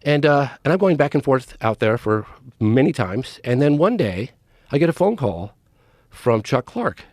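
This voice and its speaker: A man's voice: mid-range voice, normal speed, no room sound, studio quality. A middle-aged man, a documentary filmmaker guest, telling a story in a casual podcast interview and acting out quoted dialogue. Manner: animated, acts out quoted dialogue.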